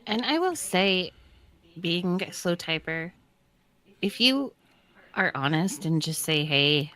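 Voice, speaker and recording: Bright woman with a slightly low voice. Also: big pitch swings, takes it slowly, low-quality recording. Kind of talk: casual chat.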